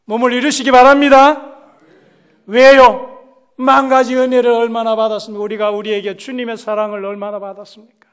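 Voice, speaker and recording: A man preaching a sermon as a pastor, emphatic and repeating key phrases, swinging between loud exclamations and hushed asides. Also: very high-pitched, level tone, brisk, smooth. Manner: repeats key phrases and puts questions to the congregation. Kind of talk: Korean Protestant sermon. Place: church service.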